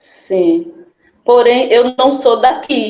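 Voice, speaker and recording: Very slow, fairly high-pitched speech from a woman, its pitch moving in an ordinary way. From Brazil, Sergipe (Neópolis, São Francisco riverside). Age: 40s. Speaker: interviewee sharing spiritual experiences. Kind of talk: interview testimony. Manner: halting.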